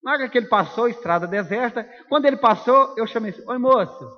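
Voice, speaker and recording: A man with a Brazilian Portuguese accent preaching a sermon, telling a personal story in an animated way and speaking straight to the congregation. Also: very high-pitched, fast. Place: church hall. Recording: echoey hall, dull lo-fi sound.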